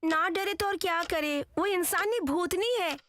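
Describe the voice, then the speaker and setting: Shrill vengeful ghost. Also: female voice, normal speed, fairly bright tone, slight background noise. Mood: fearful. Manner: menacing, threatening. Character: vengeful female ghost possessing a young woman. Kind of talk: Hindi film dubbing. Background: film score.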